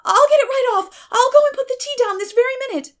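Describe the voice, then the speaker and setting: Shrill, melodramatic young girl. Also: fast. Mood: anxious, pleading. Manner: melodramatic, wailing and gushing. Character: dramatic, distraught young orphan girl, chatty and effusive.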